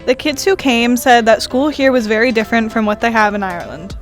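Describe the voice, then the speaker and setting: Teen girl reporter reading her voice-over, kinda high voice, soft music behind. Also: fairly quick. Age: teens. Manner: even, read-aloud narration. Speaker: student reporter. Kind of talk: scripted news voice-over.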